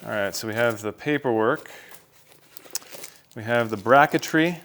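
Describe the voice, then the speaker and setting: A man's voice: mid-range voice, a little slow, a bit bright, a little hiss or hum. An American man talking casually to viewers as a vlogger, in an unboxing and how-to style. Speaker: vlogger reviewing a product.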